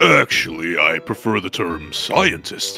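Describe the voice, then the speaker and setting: Over clear background music, a man does a put-on character voice at a fairly slow pace. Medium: game stream. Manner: mild, polite, nerdy.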